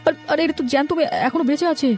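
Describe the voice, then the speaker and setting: Man playing a mellow, tender-hearted cartoon fisherman. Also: very high-pitched, fairly even intonation, very fast. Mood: shocked, pitying. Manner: earnest, exclamatory. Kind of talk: cartoon story dialogue. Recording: music under the voice. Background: music.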